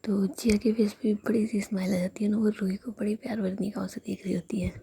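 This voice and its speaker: A woman narrating a romantic story in a soft, steady whisper. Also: medium pitch, quick pace, vocal fry, slight background noise.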